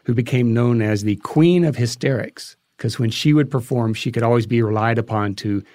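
A man speaks as an interview guest, recounting anecdotes in a conversational way. His voice sits at a middling pitch and he pauses and restarts as he works through his thoughts. The sound is dry, with very little room. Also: darkish tone, dry recording.

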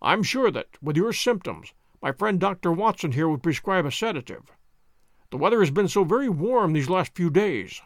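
A calm, ironic detective, as a male storyteller puts him on, speaking in precise and measured phrases with a lively lilt. His tone stays dry and unhurried. The sound is close and dry. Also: sits high, dry recording. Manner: measured, dryly amused, precise.

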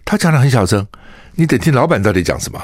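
A man's voice: medium pitch, big pitch swings, quick pace, darkish tone, no room sound, clean studio sound. An older man from Taiwan, a radio talk show host, giving opinionated commentary full of scolding rhetorical questions. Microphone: studio microphone.

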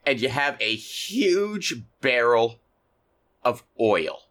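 Man, mid pitch, lively melody, bright voice, walks through a goofy scheme. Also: very slow. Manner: lays out a silly plan step by step. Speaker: podcast co-host. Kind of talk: improvised comedy chat.

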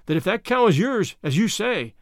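A man's voice: high-pitched, big pitch swings, normal speed, no echo, clean studio sound. Guy putting on a blustering angry farmer, spluttering, voice shooting way up and swinging all over. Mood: scathing. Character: irate stout bald middle-aged male farmer.

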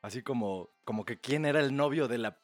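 A man's voice: mid-range voice, fairly quick, no room sound, soft background music. Slangy Mexican man telling a story. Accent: Mexican Spanish. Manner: crude slang-heavy, animated retelling. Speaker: podcast host. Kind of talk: casual storytelling chat.

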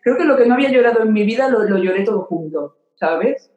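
A woman's voice: on the high side, lively intonation, fast talker, a little mellow, highs cut off. Open-hearted woman, roomy sound. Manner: open, emotional, repeats words for emphasis. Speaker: podcast guest. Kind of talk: candid conversation.

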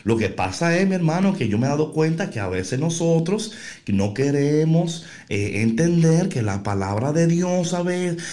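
A man's voice: on the high side, very animated, normal speed, dark tone. A man preaching an informal sermon, folksy and playful, talking straight to his listeners.

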